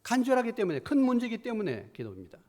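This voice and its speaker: A middle-aged man preaching a sermon as pastor in a church, asking rhetorical questions and moving between hushed asides and raised, emphatic lines. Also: very high voice, huge pitch swings, fast talker. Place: church sanctuary.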